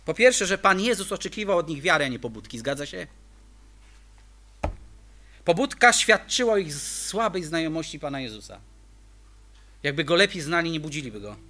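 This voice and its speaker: A man's voice: on the high side, very animated, normal speed, pauses often, bright, forceful tone. A man preaching a sermon, emphatic and full of rhetorical questions to the congregation.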